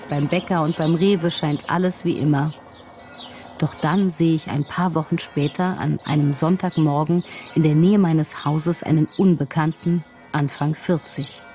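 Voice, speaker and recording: A journalist narrates her own story in a low, mellow voice, unhurried and reflective. Soft music plays beneath her words, and the delivery stays even and thoughtful. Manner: calm, measured first-person storytelling.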